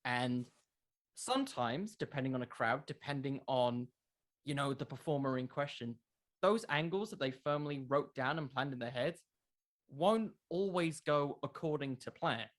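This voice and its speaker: A man's voice: mid-range voice, lively intonation, moderate pace. A man speaking as a podcast creator in a casual interview, conversational and emphatic, with a self-deprecating way of talking.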